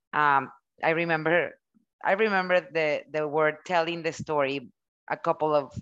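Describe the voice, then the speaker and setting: Against a quiet background, a woman with a Mexican accent and a very deep, low pitch speaks at a moderate pace. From Mexico. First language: Spanish. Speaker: HR professional and executive recruiter. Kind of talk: interview conversation.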